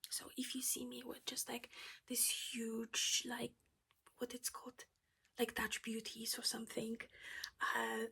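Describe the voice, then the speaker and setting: Woman whispering, very breathy, gravelly, losing her voice, slow casual chat. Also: a little high, monotone, sharp tone. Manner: whispering throughout. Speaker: cross-stitch vlogger. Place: at home.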